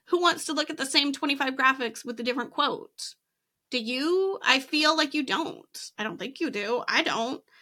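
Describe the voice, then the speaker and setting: A woman's high, bright, sharp voice, raised and projected, animated in tone, on a very clean recording with a silent background. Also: lively intonation, moderate pace. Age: 40s. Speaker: podcast host and graphic designer. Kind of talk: casual solo monologue.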